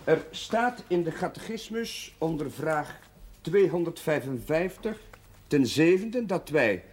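An actor playing an earnest, moralising Catholic chaplain in a Dutch television drama, speaking formally with some hesitation. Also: male voice, sits high, slightly rough, full character voice.

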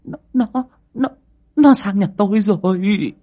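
A man's voice: high voice, sing-song, a little mellow, breathy edge, pitched above the performer's own voice, heavily acted. A man voicing a flustered older village wife who frets and exclaims. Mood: fretful. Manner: fussing, rapid exclamations.

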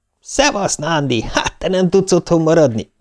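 Egy felolvasó férfi hangján tréfás mentőorvos. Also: male voice, a little high, expressive, voice pushed up, close to an everyday voice. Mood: jovial. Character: jovial male ambulance doctor.

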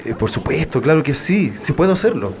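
A man's voice: fairly high pitch, sing-song, fairly quick, vocal fry, noisy background. A man playing an earnest young man in a radio drama who talks hesitantly with many fillers.

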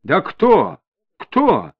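A man's voice: fairly high pitch, huge pitch swings, a little slow, exaggerated voice. A hostile young tough mouths off in crude street slang, as a male narrator puts him on. His voice leaps up and down as he snarls. The audiobook sounds dull and lo-fi. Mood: angry, defiant. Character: hostile young male petty thug under interrogation. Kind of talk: audiobook character voice.

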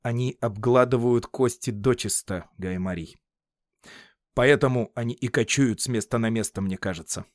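A man reading an audiobook, voicing an eager Roman officer who explains at length in a lively, raised voice. The recording is dry. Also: mid-range voice, moderate pace, no echo, close to an everyday voice. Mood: explaining.

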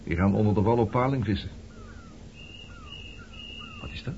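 A man's voice: fairly low pitch, normal speed, darkish tone, natural voice. An actor playing a brooding former resistance man turned skipper, probing and bitter with an old lover in a radio play. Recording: dull, noisy old radio play recording.

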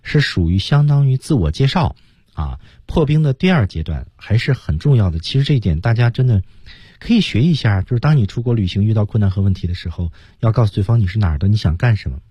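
A man teaching an English lesson on the radio, explaining and demonstrating intonation in a lively way. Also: fairly low pitch, fast talker, breathy edge, no room sound. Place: radio studio.

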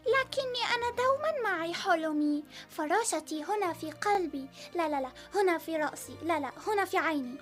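A dreamy, eager little girl in a radio story, pleading and playful. Her voice sits very high and bright with youth, with soft music under it. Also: expressive, a little fast. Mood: wistful. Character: young daughters, eager, dreamy girls.

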